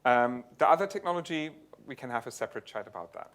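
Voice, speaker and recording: Male conference speaker, bright and forward tone, explanatory delivery with restarts, presenting tech research and fielding questions. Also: mid-range voice, lively intonation, fast. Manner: explanatory, thinks aloud with restarts. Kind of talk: tech talk and audience Q&A. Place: lecture venue.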